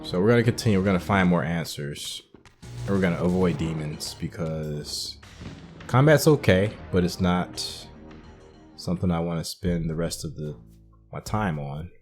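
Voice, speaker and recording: A man's voice: low-pitched, expressive, normal speed, darkish tone, faint music behind. A man hosting a gaming video, giving casual playthrough commentary in a musing, conversational way.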